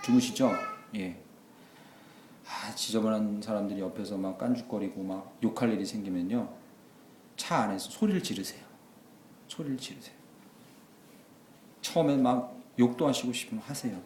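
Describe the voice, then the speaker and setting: A man preaching a sermon as pastor, moving between quiet asides and loud exclamations. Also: lowish voice, moderate pace, pauses often, a little hiss or hum. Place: church sanctuary. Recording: echoey church hall.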